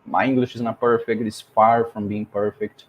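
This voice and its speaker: Fluent, emphatic Brazilian man, low voice. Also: little pitch movement, normal speed, muffled recording, a little hiss or hum. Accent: Brazilian Portuguese. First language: Portuguese. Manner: fluent, emphatic, drives points home with rhetorical questions. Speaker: podcast host. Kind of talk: casual conversation about language learning.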